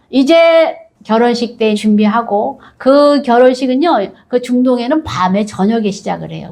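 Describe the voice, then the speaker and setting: A woman pastor preaching a sermon with animated storytelling, acting out the figures as she retells the story. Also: a little high.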